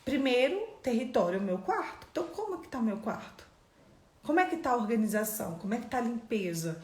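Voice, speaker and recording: A woman's voice: on the high side, big pitch swings, fast talker. A Brazilian woman leading a live-streamed devotional, speaking conversationally and putting direct questions to her viewers. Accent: Brazilian Portuguese. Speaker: devotional teacher. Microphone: phone or computer on a live stream. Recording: echoey room.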